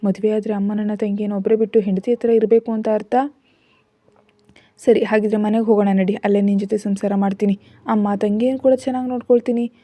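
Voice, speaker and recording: A woman's voice: mid-range voice, little pitch movement, fast talker, mellow, no room sound, close to an everyday voice. A woman voicing an exasperated young husband in a storybook reading, with a teasing, pleading manner.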